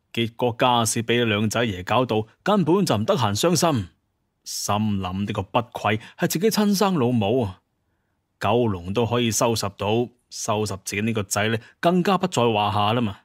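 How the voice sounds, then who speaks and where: A man's voice: fairly low pitch, expressive, normal speed, no room sound, studio quality. A man narrating a story in a dramatic audio-drama style.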